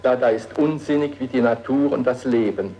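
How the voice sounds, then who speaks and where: A man's voice: mid-range voice, normal speed, mellow, a little hiss or hum, close to an everyday voice. An actor reading the words of an older male artist, with a dreamy, playful declamation. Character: Hans Arp, older male artist musing on nature. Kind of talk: dramatic reading of poetic texts.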